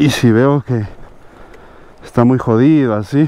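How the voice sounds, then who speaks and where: A man's voice with fairly even intonation and a dry sound with no echo. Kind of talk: casual vlog chat. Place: open country. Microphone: helmet.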